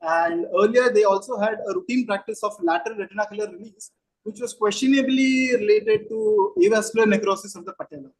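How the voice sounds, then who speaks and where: A young man with an Indian accent and a husky voice, giving a formal academic presentation. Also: high-pitched, a little fast, poor audio. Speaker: orthopaedic fellow presenting. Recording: online meeting audio from a tablet.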